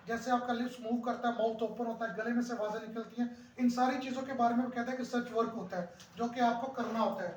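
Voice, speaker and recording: A teacher trainer giving a workshop lecture, repeating key phrases, asking the audience questions, and reading English lines aloud slowly. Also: mid-range voice. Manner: reads English lines aloud slowly, one word at a time. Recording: very echoey room, distant mic, faint noise.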